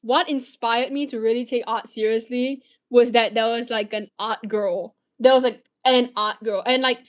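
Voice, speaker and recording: A woman's voice: fairly high pitch, steady tone, moderate pace. A teenage woman from Malaysia streaming, chatting casually and answering viewer questions, rambling with restarts and swearing.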